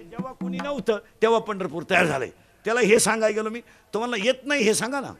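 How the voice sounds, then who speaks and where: High-voiced man preaching a comic sermon. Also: quick pace, faint music behind. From Maharashtra. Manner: animated, loud bursts, mimics village folk. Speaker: kirtan preacher.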